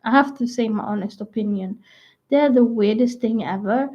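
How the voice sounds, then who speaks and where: A young adult woman rambling casually to her viewers, full of "like" and restarts, her voice croaky at times. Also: fairly high pitch, normal speed. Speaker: vlogger. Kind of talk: rambling casual chat to camera. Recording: dull lo-fi sound.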